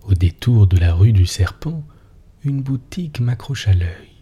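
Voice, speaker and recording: A man reads a story in a breathy, husky near-whisper. His voice is low and dark, and he takes his time over every line. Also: expressive, a little slow. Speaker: narrator.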